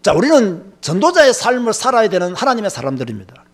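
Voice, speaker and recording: Male pastor, high-pitched and emphatic storytelling sermon delivery. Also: fast. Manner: emphatic, animated storytelling with many filler words.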